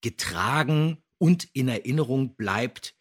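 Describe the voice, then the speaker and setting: A man with a slightly husky voice, talking casually as a podcast co-host reviewing stories. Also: medium pitch, lively intonation, slow pace. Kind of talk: casual podcast review of an audio drama episode.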